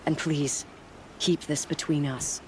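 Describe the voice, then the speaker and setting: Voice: mid-range voice, steady tone, slow, a little mellow, a little hiss or hum, lightly acted. A performer playing an embittered, grieving tribal villager in a video game, speaking earnestly and emotionally, pleading. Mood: bitter, pleading. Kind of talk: video game dialogue acting.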